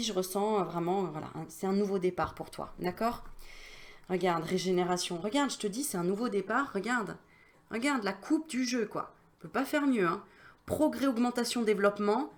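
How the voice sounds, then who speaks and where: Speaking straight to the viewer in a mid-range voice, a woman medium gives a casual card reading. She's chatty and familiar, coaxing and reassuring, and uses lots of fillers.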